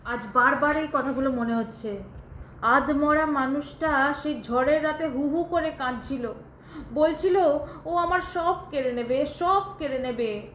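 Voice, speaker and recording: A woman playing a dignified, distressed woman who refuses a suitor in an audio drama, speaking with halting emotion and formal politeness. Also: high voice, fairly bright tone. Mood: indignant. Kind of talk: Bengali audio drama acting. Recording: roomy echo, faint background noise.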